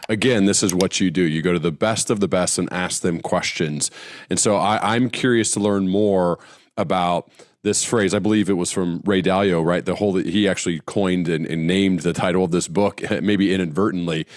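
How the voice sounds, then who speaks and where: A man's voice: sits low, fairly even intonation, normal speed, no room sound, studio quality. A man hosting a podcast, asking questions in a conversational interview style. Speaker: podcast host.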